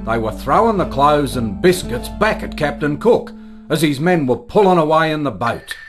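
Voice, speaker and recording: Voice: medium pitch, big pitch swings, normal speed, soft background music, close to an everyday voice. An actor playing a plain-spoken Aboriginal storyteller recalling family lore in a colloquial, folksy way for a radio play. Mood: wry, reminiscing.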